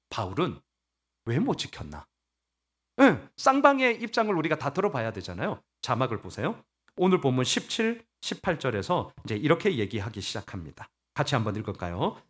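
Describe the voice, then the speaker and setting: A man preaching a sermon as pastor, animated, acting out voices and asking the congregation questions. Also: medium pitch, husky. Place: church sanctuary.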